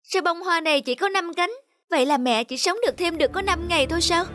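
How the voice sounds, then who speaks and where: A woman's voice: very high voice, quick pace. A woman voicing a devoted young daughter in a cartoon, pleading and emotional, with music playing behind. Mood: earnest. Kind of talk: cartoon voice acting. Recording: background music under the voice.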